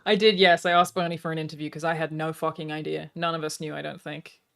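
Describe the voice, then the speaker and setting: Gravelly-voiced Australian woman streamer. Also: deep voice, level tone, quick pace, a bit bright. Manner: teasing, profane banter. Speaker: streamer host. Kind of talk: casual live-stream chat.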